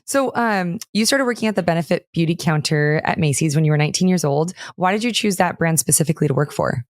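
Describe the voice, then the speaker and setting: Bubbly woman podcast host, lower voice. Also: lively intonation, quick pace, no echo, studio quality. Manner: bubbly, laughs often, eager responses. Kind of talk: podcast interview.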